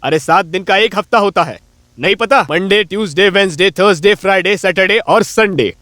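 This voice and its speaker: A man's voice: high-pitched, normal speed, pushed and bright, no echo. A man voicing a bossy police inspector in a dubbed film, scolding and giving orders. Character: stern male police inspector, gruff. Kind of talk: Hindi film dubbing. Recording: dry studio dub with light music.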